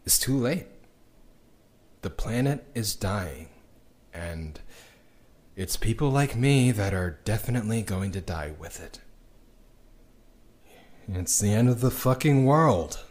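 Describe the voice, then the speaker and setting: Bitter, hopeless guy, slow impassioned rant, swooping pitch, audio drama. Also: lively intonation, a little mellow. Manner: sweary, impassioned ranting. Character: bitter, despairing young man raging at a doomed world.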